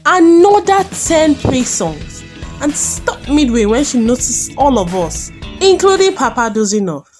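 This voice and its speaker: A woman's voice: high voice, sing-song, a little slow, darkish tone. A woman playing a weary, sardonic Nigerian schoolgirl who narrates her family life in an audio drama, with a Nigerian accent. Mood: wry narration. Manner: wry, dramatic complaining. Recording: music behind the voice.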